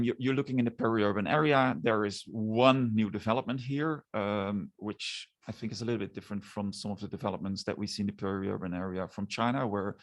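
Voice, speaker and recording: A man speaking as a discussant at an academic seminar, in a measured, thoughtful way with frequent restarts. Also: fairly low pitch. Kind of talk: academic discussion, spoken questions.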